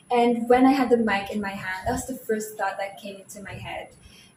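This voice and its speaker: Fairly high-pitched woman against noticeable background noise. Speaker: beauty pageant winner. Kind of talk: interview. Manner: soft-spoken.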